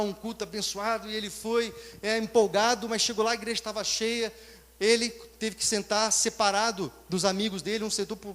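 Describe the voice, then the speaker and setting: High-voiced Brazilian pastor preaching in a reverberant hall. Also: male voice. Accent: Brazilian Portuguese. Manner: lively storyteller, swings between loud and soft. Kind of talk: preaching sermon with storytelling.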